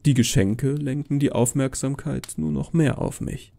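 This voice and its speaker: Mellow, creaky-voiced male storyteller. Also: mid-range voice, fairly even intonation, normal speed. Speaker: horror story narrator. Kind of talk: scripted first-person story narration.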